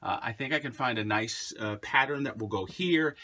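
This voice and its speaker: A man's voice: medium pitch, moderate pace, no room sound. A man in his forties talking casually to the camera inside a parked motorhome, with lots of "uh" fillers, recorded on a close camera mic. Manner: relaxed, many "uh" fillers, upbeat sign-off. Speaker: vlogger. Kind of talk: casual vlog talk to camera. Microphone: camera mic at close range.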